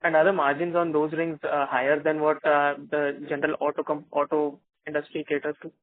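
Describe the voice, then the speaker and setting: A man's voice: fairly high pitch, flat delivery, fairly quick. An Indian man calling in as an analyst to put questions on an earnings call. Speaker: analyst caller asking questions. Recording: narrow, muffled phone line.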